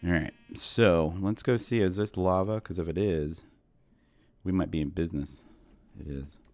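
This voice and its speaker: Deep-voiced man, hoarse, rambling gameplay chatter. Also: moderate pace, darkish tone, no echo. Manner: rambling, self-deprecating, talks to viewers. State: sick, voice going hoarse. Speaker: gaming channel host. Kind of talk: casual Minecraft let's play commentary.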